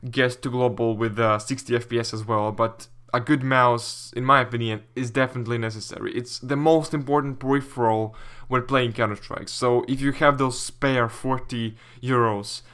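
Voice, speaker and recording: A man's voice: mid-range voice, steady tone, normal speed, hardly any pauses, a bit bright, clean tone. Young Latvian-accented man, casual gaming commentator. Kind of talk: casual Q&A commentary reading viewer questions.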